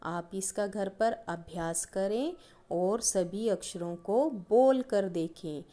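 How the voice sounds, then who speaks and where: A woman teacher giving a patient grammar lesson to young schoolchildren, stretching out each example word slowly and calling them children. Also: mid-range voice, warm tone. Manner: slow, drawn-out stressing of each example word; patient, addresses pupils as "children".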